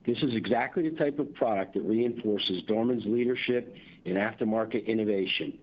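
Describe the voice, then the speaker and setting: A man reads prepared company results on an earnings call in a formal, measured corporate delivery. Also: lowish voice. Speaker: company executive presenting quarterly results. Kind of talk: scripted earnings-call presentation. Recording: dull, band-limited conference call audio.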